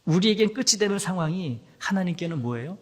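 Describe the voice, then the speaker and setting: A man's voice: high voice, expressive, fast. A man preaching a sermon as pastor, acting out quoted voices and sometimes dropping to a whisper. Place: church sanctuary. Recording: long hall reverb.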